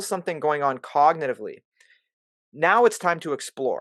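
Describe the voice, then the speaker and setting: Over a quiet background, a man speaks at a moderate pace in a dry, close sound with no echo. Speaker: concussion clinician and podcast co-host. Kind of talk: Q&A answering member questions. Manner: conversational, explanatory.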